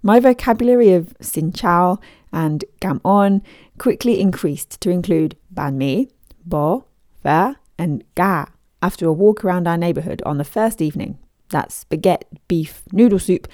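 Lively woman narrating in a dry close voice. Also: lowish voice, moderate pace, dry recording. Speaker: podcast host. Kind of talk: scripted narration.

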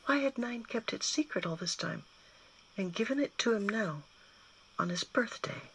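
A woman's voice: medium pitch, normal speed, a little hiss or hum, low-quality recording. A woman reading a children's novel aloud, telling it expressively. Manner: expressive storytelling. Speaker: guest reader.

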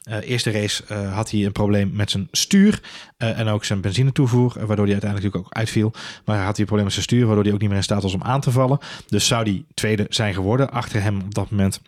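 A man co-hosting a casual racing podcast, talking quickly with many fillers and dry jokes. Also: on the low side, fairly even intonation, a little mellow, dry recording. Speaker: podcast co-host. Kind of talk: casual Formula 1 chat.

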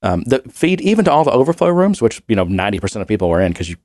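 A man's voice: fairly low pitch, very animated, racing, darkish tone, dry recording, studio quality. A man co-hosting a podcast in casual chat, rambling and laughing often while he has a cold and cough. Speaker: podcast co-host.

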